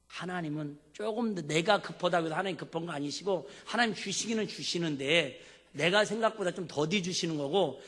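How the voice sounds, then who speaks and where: A man's voice: a little high, a bit bright, breathy edge. A male pastor preaching a sermon, emphatic and asking the congregation questions. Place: church sanctuary. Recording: long hall reverb.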